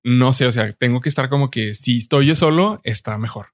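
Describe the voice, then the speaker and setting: A man's voice: mid-range voice, fairly quick, no room sound, clean studio sound. A man, a guest on a casual podcast, talking in crude slang. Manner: slangy and crude, says "güey" constantly.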